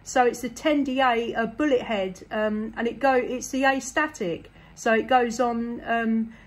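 A high-voiced English woman works as a radio operator. She talks casually and effusively, passing her turn in the style of a CB contact. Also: fairly even intonation, a little slow. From England. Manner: enthusiastic, effusive.

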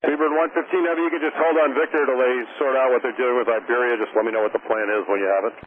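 A man's voice: medium pitch, steady tone, racing. A man working as an air traffic controller, bantering wryly in radio exchanges. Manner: wry, bantering. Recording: tinny aviation radio with static.

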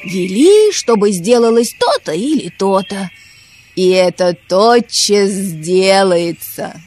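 Woman acting a slow, husky kindly old lady. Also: mid-range voice, lively intonation, a little mellow, faint music behind. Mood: mysterious, instructing. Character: kindly old woman with a magic flower garden. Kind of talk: children's audio fairy tale acting.

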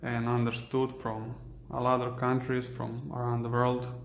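A young man with a Serbian accent, a dog groomer chatting casually while he works, halting and searching for English words. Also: mid-range voice, completely flat delivery, slight background noise. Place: indoor grooming room. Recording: echoey room.

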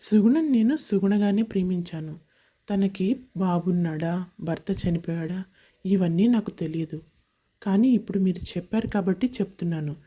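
A woman voicing a sincere, devoted young man in love, earnest and polite, in an animated moral story. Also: lowish voice, moderate pace, husky.

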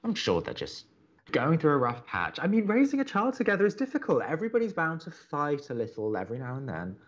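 An upbeat young college radio co-host in a romantic comedy podcast. He is chatty, wry and earnest, with a lively, moving pitch. The sound is slightly muffled. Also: fast. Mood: reassuring. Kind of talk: romantic comedy audio drama dialogue.

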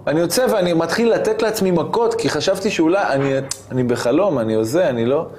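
Man, fairly high voice, interview guest, animated storyteller, acts out scenes. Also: a little hiss or hum.

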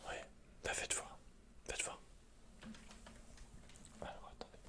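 A young man playing a guarded computer repairman and hacker in a halting, breathy whispered ASMR roleplay. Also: close to an everyday voice. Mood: reserved, matter-of-fact. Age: young adult. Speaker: ASMR creator. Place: small indoor set, dark backdrop.

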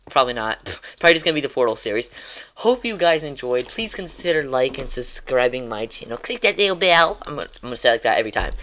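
With a medium-pitched, fairly bright tone, a man who streams games says goodbye to his viewers in a rambling, casual sign-off. He gets tongue-tied, starts over repeatedly, peppers his speech with ums, and chuckles quietly while speaking.

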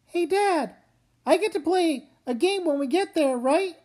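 A woman's voice: very high voice, animated, unhurried, darkish tone. A woman voicing an earnest, anxious young daughter in a comic read-aloud, childlike in manner. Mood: eager.

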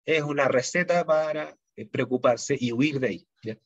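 University chemistry lecturer, muffled dry sound. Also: male voice, medium pitch, a little slow, dry recording. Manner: explanatory, frequent "¿no es cierto?" and "¿ya?" check-ins.

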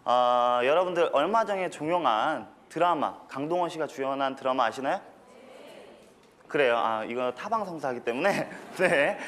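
A man on a comedy stage presenting a mock magic routine with deadpan, mock-serious asides. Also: mid-range voice, normal speed. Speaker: comedian doing a magic act. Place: TV studio stage with audience. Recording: stage audience and room noise.

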